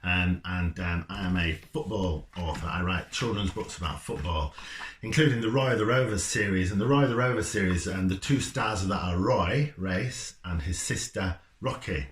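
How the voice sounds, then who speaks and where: A man's voice: deep voice, normal speed. A man who writes children's books, talking informally and reading a story aloud. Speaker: children's football author. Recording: roomy, echoey indoor sound.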